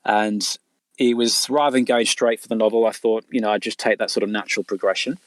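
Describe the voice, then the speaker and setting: A man's voice: fairly low pitch, fairly even intonation, fairly quick, no echo. A middle-aged man chatting casually as an interviewed author, telling things in a rambling way with stammered repeats. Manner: rambling storyteller with frequent stammered repeats and "you know".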